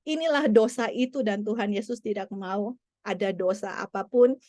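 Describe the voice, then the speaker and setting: A woman's voice: mid-range voice, normal speed, darkish tone, dry recording, studio quality. A woman, a mother, telling a family story as an earnest Christian testimony, repeating her points as she goes.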